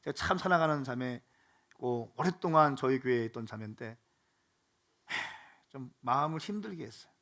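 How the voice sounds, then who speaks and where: A middle-aged man preaching a sermon as pastor, moving between slow, pleading passages and loud, fervent exhortation. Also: mid-range voice, animated.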